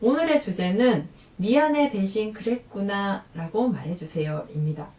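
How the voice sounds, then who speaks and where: A woman vlogging about talking with children, chatty and lively, acting out quoted lines. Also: medium pitch, moderate pace, reverberant, recorded from a distance. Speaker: parenting vlogger. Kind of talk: casual talk to camera.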